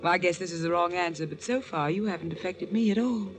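A woman's voice: fairly low pitch, quick pace, lightly acted. Actress as cool mysterious young woman, coy clipped delivery, guarded, 1940s radio drama, faintly noisy old recording. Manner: clipped, coy, dry replies.

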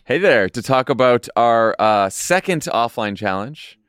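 A man hosting a podcast, chatting with guests in a relaxed, conversational way. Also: medium pitch, a little slow, clean tone, dry recording, studio quality. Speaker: podcast host. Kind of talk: casual interview chat.

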